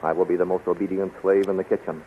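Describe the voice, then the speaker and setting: Actor as a deep-voiced captive captain, old radio. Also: male voice, level tone, fast talker, phone-quality sound, lightly acted. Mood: grave, reassuring. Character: courteous, resolute captive military captain. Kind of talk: 1930s radio serial acting. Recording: scratchy, thin 1930s radio recording.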